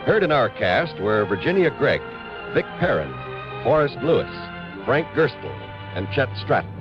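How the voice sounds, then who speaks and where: A man's voice: medium pitch, big pitch swings, normal speed. 1950s radio announcer, male, dramatic polished delivery, big swooping intonation, music behind, dull vintage broadcast sound. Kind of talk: 1950s radio announcer reading show credits and introductions. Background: loud music.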